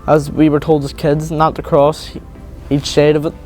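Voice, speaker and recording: A young man with a Belfast accent answers interview questions in a halting, searching way. His voice sits a little high for a man, and faint background music plays beneath him. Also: monotone, darkish tone. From Northern Ireland. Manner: hesitant, halting with fillers. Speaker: visiting student interviewee.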